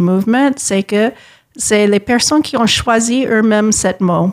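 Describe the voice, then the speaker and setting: A woman with a strong American accent speaks at a fairly high pitch with ordinary pitch variation. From US and Japan. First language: English (speaking French). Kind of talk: radio interview. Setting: radio studio. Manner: halting with many fillers.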